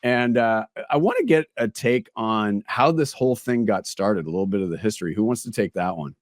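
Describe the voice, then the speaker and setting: A man hosting a casual interview, a little raspy and hoarse. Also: on the low side, lively intonation, brisk, no echo, studio quality. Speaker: podcast host.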